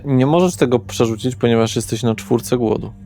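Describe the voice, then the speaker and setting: A man narrating a tabletop roleplay session as game master, measured and deliberate. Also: medium pitch, dark tone. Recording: faint music behind.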